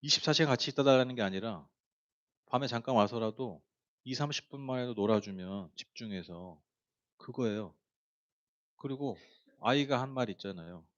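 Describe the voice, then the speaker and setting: A man's voice: mid-range voice, moderate pace, pauses often, highs cut off. A man preaching a sermon, telling a story in a chatty way with many fillers and speaking directly to the congregation. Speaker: pastor.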